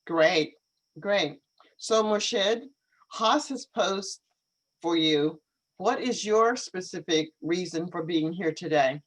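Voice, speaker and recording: A woman's voice: lowish voice, takes it slowly. Careful, encouraging woman teacher. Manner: careful, encouraging, clearly articulated. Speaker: English teacher hosting a live session. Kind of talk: live online English lesson chat.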